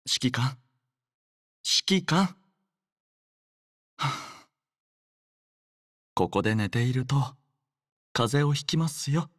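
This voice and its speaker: A young male android squad leader from an anime game, devoted and dutiful. His mid-pitched voice is measured, formal and softly caring. The recording is dry and close, with no room sound. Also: expressive, no echo. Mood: gently concerned. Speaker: voice actor in a mobile game. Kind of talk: anime game character voice lines.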